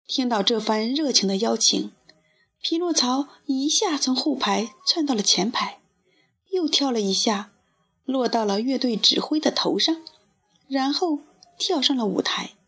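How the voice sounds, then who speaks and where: Slow breathy woman reading a storybook. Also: on the high side. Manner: gentle, expressive. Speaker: storyteller for children.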